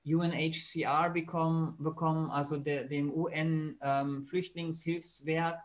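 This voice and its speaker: Guest, male, slightly higher voice, steady and plain-spoken. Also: unhurried. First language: German. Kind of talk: casual interview answers.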